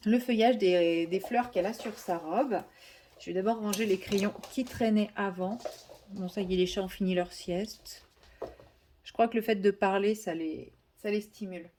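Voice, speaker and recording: A woman's voice: medium pitch, fairly even intonation, moderate pace, a little mellow, a little hiss or hum. A woman chatting casually to viewers while she colours, rambling and correcting herself as she goes. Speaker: vlogger.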